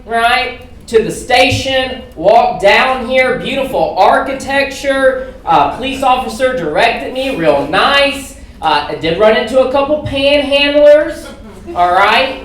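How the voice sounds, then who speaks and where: A man from Alabama with a Southern accent, doing a punchy stand-up comedy set to a crowd with loud bursts. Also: extremely high pitch. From Alabama, USA. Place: comedy theater stage. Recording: echoey theater recorded from far off, noisy.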